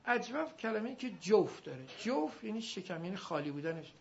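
A male teacher giving a classroom grammar lesson, drilling his students and drawing out example words slowly. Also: high-pitched, sing-song, vocal fry. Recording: dull lo-fi recording.

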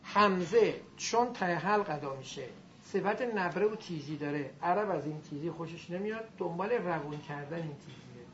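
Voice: mid-range voice, lively intonation, lo-fi sound, a little hiss or hum. A teacher giving a classroom lesson on Arabic grammar and pronunciation, demonstrating sounds aloud and quizzing the class.

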